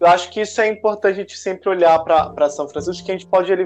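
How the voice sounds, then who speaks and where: A man's high voice, its pitch varying in an ordinary way. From Baixada Fluminense, Rio de Janeiro state, Brazil. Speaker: Franciscan friar. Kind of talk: casual interview about religion.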